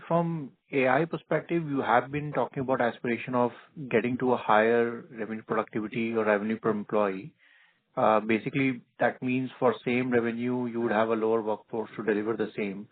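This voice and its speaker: Male financial analyst, husky voice, questioning executives over a narrow phone connection. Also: mid-range voice. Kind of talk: earnings call questioning. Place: phone call.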